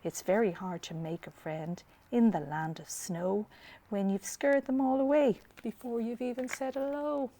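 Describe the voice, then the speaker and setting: A woman voicing a shy, lonely, gentle hairy yeti in a picture-book read-aloud. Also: on the high side, fairly even intonation, moderate pace, pitched above the performer's own voice, lightly acted. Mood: wistful, explaining.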